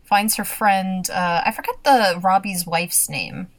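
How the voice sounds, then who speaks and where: A woman's voice: medium pitch, measured pace, dry recording. Young female podcast co-host, casual and giggly, dry close mic. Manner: chatty, laughs often, acts out quotes. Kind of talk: casual TV recap chat.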